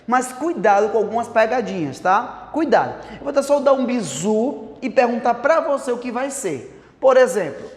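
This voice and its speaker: A man's voice: very high-pitched, lively intonation, moderate pace, hardly any pauses. A man with a Brazilian Portuguese accent teaching an online grammar lesson, explaining rules and checking in with rhetorical questions. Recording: echoey room with long reverb.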